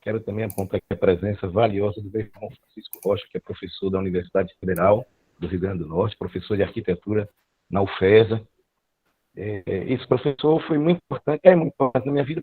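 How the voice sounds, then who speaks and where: A middle-aged law student from Northeastern Brazil presents his thesis formally over a video call, speaking haltingly with frequent filler hesitations and restarts. His voice is fairly low with a breathy edge, and the computer mic yields tinny, dry audio.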